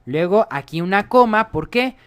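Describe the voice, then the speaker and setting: A man's voice: sits high, lively intonation, normal speed, clear, resonant tone. A man giving a coding tutorial, explaining step by step and often checking in with viewers. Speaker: programming instructor.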